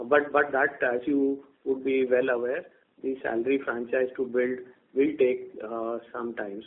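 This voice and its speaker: A bank executive with an Indian accent and a mid-range voice fields questions on a conference call. He explains semi-formally but hesitantly, stalling and repeating words, and the phone line sounds thin and narrow-band.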